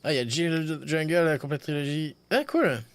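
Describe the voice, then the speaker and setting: A man's voice: on the high side, fairly quick, clean tone. A man streaming a video game with casual commentary, muttering joking asides. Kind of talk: casual live gameplay commentary. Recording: noisy game sound behind. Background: video game audio.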